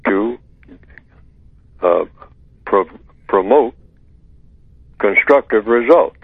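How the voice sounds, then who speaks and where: An older man on a call-in radio show, explaining his ideas in a measured way and repeating key words for emphasis. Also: lowish voice, lively intonation, husky, dry recording. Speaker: radio show guest answering callers. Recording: tinny phone line, dry.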